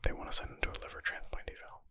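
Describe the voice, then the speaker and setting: Whispering man, breathy ASMR reading. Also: racing, bright, forceful tone, no echo. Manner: informal, thinking aloud, murmured asides. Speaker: ASMR creator reading and answering medical exam questions.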